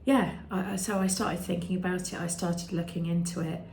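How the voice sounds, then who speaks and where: A British woman in her fifties, vlogging candidly with many ums and restarts and a voice that turns croaky at times. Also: fairly low pitch, fairly even intonation, brisk, darkish tone, a little hiss or hum. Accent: British English. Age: 50s. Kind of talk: candid personal vlog. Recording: echoey room.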